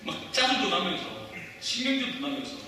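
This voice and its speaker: A man's voice: very high-pitched, expressive, normal speed, gravelly, pushed and bright, recorded from a distance, a little hiss or hum. A pastor in his forties preaching a sermon, talking conversationally and quizzing the congregation with questions, heard from off the mic in an echoey church hall. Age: 40s.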